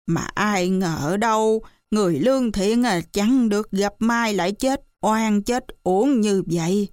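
A woman voicing an old villager who recounts local news hesitantly, full of drawn-out fillers. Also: mid-range voice, darkish tone, no room sound, clean studio sound, natural voice. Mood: gossipy. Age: older.

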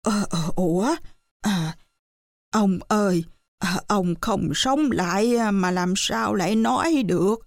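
A woman's voice: mid-range voice, slow, no echo, studio quality. A woman voicing a frightened old widow who stammers and pleads. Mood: timid. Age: older.

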